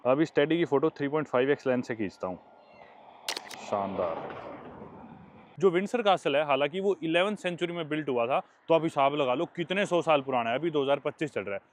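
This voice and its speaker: A man's voice: a little high, a little fast, a little hiss or hum. A young man from India, chatting casually as a travel vlogger while walking outdoors and explaining what he sees. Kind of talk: casual travel vlog narration. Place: outdoors by a road in a small town.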